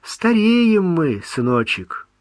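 A man's voice: slow pace, no room sound, heavily acted. A man voicing an older woman in her sixties, a fussy, loving mother talking with her son on the phone. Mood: doting, anxious. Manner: high, lively, doting and teasing.

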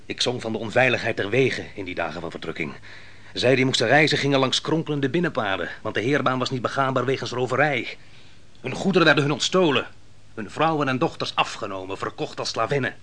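A proud, declamatory biblical warlord. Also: male voice, mid-range voice, a bit bright. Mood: bitter, brooding. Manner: declamatory, grandiloquent. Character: proud, ruthless biblical army commander, fresh from bloody victory. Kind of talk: theatrical radio drama monologue and dialogue.

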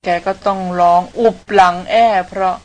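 A woman reading a novel aloud as an audiobook narrator, in an even, steady storytelling manner. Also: mid-range voice, moderate pace, highs cut off.

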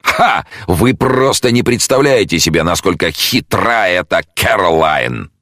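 A man's voice: deep voice, animated, unhurried, fairly bright tone, dry recording, studio quality, pitched above the performer's own voice. A man voicing a panicky middle-aged jeweler who pleads and wails near tears. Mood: distraught.

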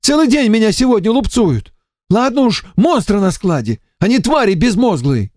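A man's voice: high-pitched, sing-song, brisk, a little mellow, no echo, studio quality, voice pushed up. A man voicing a wily male demon emissary who pleads and whines in an audiobook. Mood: whining. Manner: pleading, whiny, wheedling.

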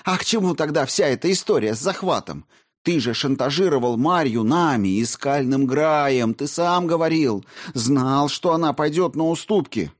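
A man voicing an angry young princess who hisses and shouts in contempt, reading a storybook scene. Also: medium pitch, normal speed, few pauses, husky, voice pushed up, natural voice. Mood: furious. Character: furious young woman, a princess, scornful.

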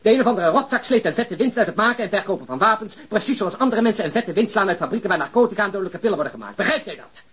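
Police detective, earnest, probing, emphatic delivery, slightly husky, crime audio drama. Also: male voice, high-pitched, expressive, rapid-fire, few pauses, fairly bright tone, heavily acted. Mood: indignant. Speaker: actor in a radio drama.

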